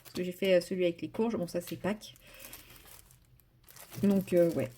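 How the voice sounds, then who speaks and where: A woman's voice: fairly low pitch, fairly even intonation, moderate pace, mellow. A woman vlogging casually at home, chatty and rambling, with many fillers and restarts. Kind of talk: casual chat.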